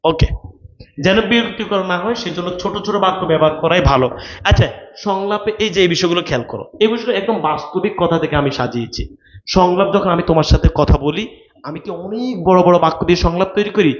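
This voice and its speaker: A man's voice: sits high, fast. A man teaching an online exam-prep lecture, repeating rules and often checking that his students understand. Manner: repetitive, instructive, keeps checking students understand. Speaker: admission test tutor. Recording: roomy, dull lo-fi sound.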